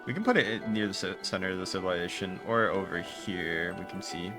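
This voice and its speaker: A man with a low voice talks casually through the game he is playing, over clearly audible music. He fumbles for words, breaking off and restarting as he thinks out loud. It sounds like an easygoing streamer's running commentary. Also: expressive, a little fast. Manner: fumbling for words, trailing off and restarting mid-sentence.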